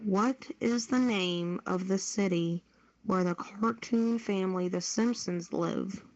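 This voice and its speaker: A woman's voice: medium pitch, slow, darkish tone, no echo. A woman hosting a group podcast quiz, reading out questions and confirming answers. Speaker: quiz host. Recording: dull, lo-fi online audio.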